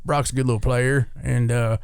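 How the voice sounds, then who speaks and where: A man's voice: mid-range voice, flat delivery, normal speed, gravelly, clean tone, dry recording, clean studio sound, close to an everyday voice. A man voicing a folksy, falsely earnest small-town sports parent in a comic podcast bit. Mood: falsely sincere.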